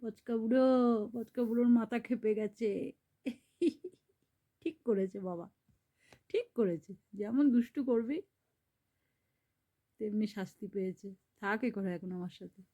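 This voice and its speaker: A woman's voice: medium pitch, a little slow, long pauses, highs cut off. A woman vlogging at home, coaxing, scolding and fussing over her kitten. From Bengal. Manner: coaxing and scolding a pet, shifting between soft calls and louder reproach. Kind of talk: talking to her kitten while filming.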